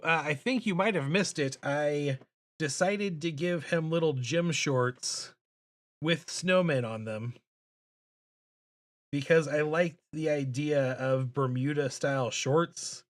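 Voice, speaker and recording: A man livestreaming casually as he draws, thinking aloud in a mumbly, self-deprecating way. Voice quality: deep voice. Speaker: livestreaming illustrator and host. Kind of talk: casual livestream chat while drawing. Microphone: streaming microphone.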